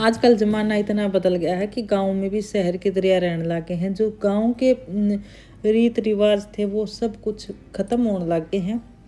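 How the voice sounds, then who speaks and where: With a Haryanvi accent, a woman talks at a medium pitch with fairly even intonation. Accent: Haryanvi dialect, unchanged. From Haryana, India. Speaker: housewife vlogger. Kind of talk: casual vlog chat while doing chores. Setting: home kitchen.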